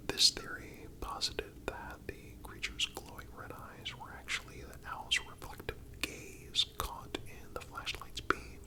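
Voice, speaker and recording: A narrator speaking entirely in a breathy whisper, reading a scripted story in ASMR style with deliberate, measured phrasing. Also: very high voice, poor audio.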